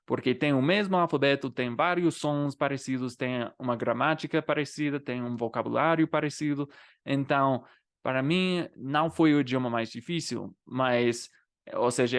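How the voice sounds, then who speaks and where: A man whose first language is English, speaking Brazilian Portuguese with an English accent and casually explaining to learners, often adding little tag questions. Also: mid-range voice. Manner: conversational, frequent tag questions. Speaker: language teacher and vlogger.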